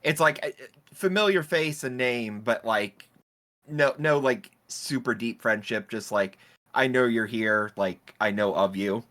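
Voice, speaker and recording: A man playing in a tabletop game, chatty and quick to apologize. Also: mid-range voice, a bit bright. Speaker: player. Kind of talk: casual tabletop play.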